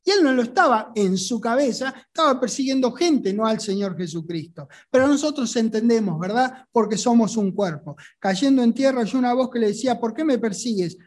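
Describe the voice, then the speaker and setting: A woman's voice: on the high side, lively intonation, fairly quick, hardly any pauses, darkish tone. A woman with a Rioplatense Spanish accent teaching a Bible sermon, talking conversationally and asking her listeners rhetorical questions. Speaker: preacher.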